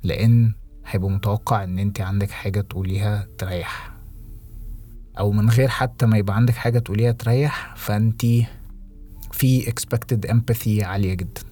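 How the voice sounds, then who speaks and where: Low-voiced Egyptian man musing on a podcast. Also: steady tone, warm tone, husky, faint music behind. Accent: Egyptian Arabic. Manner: reflective, halting, many restarts and English phrases. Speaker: podcast co-host. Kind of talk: casual podcast conversation.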